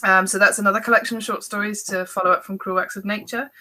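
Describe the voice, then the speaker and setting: A woman's voice: mid-range voice, steady tone, fast talker, bright, forceful tone. A woman speaking as a guest author in casual, informal, self-deprecating podcast conversation.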